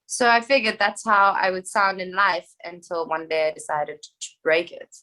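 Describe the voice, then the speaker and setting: A young adult woman from South Africa, an actress talking in a casual podcast chat, chatty and animated with quick asides. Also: lowish voice, poor audio. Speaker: actress guest.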